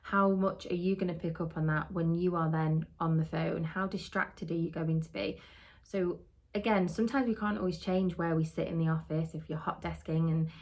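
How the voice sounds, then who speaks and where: Low-voiced woman giving social-work training. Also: moderate pace. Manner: earnest, steady, rhetorical questions. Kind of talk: podcast teaching talk.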